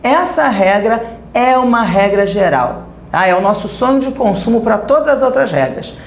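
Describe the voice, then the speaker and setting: Lively Brazilian woman teaching grammar. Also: fairly high pitch, moderate pace, echoey room, slight background noise. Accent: Brazilian Portuguese. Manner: lively, explaining with checks like "tá?" and "né?". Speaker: Portuguese teacher. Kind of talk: recorded video lesson.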